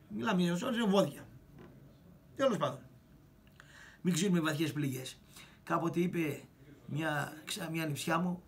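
A man's voice: high-pitched, a little hiss or hum. Foul-mouthed older man ranting a story. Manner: coarse, swearing, acts out quarrels in sharp bursts. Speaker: show host telling a personal story. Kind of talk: angry storytelling monologue.

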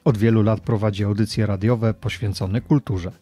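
Mellow, husky man hosting a podcast. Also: fairly low pitch, steady tone, moderate pace, faint music behind. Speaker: podcast host. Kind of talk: podcast introduction and interview.

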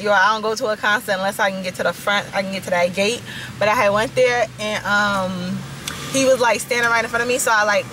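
A young woman vlogging, chatting casually to viewers, filmed on a phone held at arm's length. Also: medium pitch. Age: young adult. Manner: chatty, addresses viewers as y'all, laughs often. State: slightly raspy from yelling at a concert. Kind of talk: casual vlog chat. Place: inside a car, then in a store. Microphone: handheld phone camera at arm's length. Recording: background noise from car and store.

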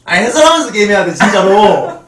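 A man in his twenties chatting casually on a live stream as host, bantering and swearing in an animated way. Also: sits high, fast, far from the mic. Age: 20s. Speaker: streamer hosting a mukbang talk show with a guest. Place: small indoor streaming room. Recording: roomy echo, off the mic.

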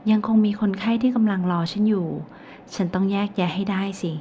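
A woman narrating a first-person romance audiobook in a calm, even storytelling manner. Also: medium pitch, fairly quick. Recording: slightly dull recording, faint hiss.

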